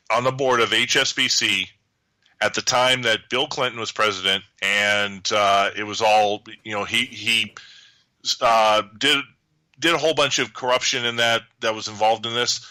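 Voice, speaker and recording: Man, insistent, repeats himself to keep talking, very bright sharp tone, lowish pitch. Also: fairly even intonation, a little slow, no room sound, poor audio. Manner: insistent, repeats phrases to hold the floor. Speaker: guest commentator. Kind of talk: heated political discussion.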